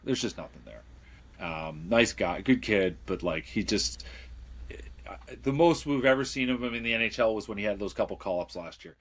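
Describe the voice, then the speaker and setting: A man's voice: fairly low pitch, animated, moderate pace, a bit bright. A man talking hockey in casual chat, his voice garbled and underwater-sounding through a failing remote mic, hesitant and trailing off. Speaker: hockey analyst guest.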